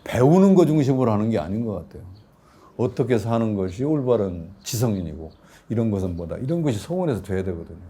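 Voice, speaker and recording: A man in his sixties, a professor being interviewed, telling lively anecdotes and acting out quotes with laughter. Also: mid-range voice, slightly rough. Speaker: professor guest. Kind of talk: conversational interview storytelling.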